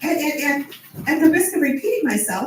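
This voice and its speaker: A high-pitched, put-on character voice at a fairly quick pace. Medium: read story. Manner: fast, repetitive.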